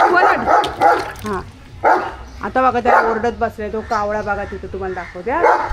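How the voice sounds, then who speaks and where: A woman vlogging casually outdoors at home while doing chores, talking straight to her viewers and calling loudly to her dog. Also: a little high, heavy background noise. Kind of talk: casual home vlog narration. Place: outdoors at home, washing dishes in the morning.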